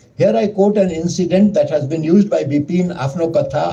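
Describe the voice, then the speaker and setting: A dark, mellow tone with vocal fry, at a moderate pace, amid audible room echo. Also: man. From Nepal, Madhes region. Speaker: columnist and lecturer. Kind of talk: lecture. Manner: formal, reading from text.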